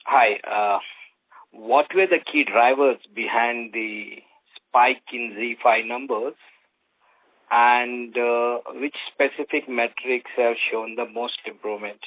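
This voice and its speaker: A man's voice: mid-range voice, fairly even intonation, slow pace. Male caller on a crackly phone. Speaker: analyst caller. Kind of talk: asking questions on an earnings call. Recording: crackly, breaking-up phone line.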